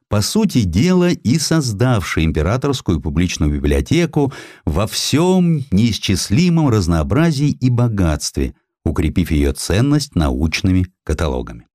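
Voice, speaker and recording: A man reading a historical literary sketch in an expressive storytelling manner. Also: on the low side, measured pace, no room sound, clean studio sound. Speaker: audiobook narrator.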